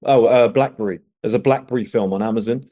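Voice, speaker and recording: A man's voice: mid-range voice, fast, warm tone. A man hosting a podcast, giving blunt, emphatic advice and swearing freely.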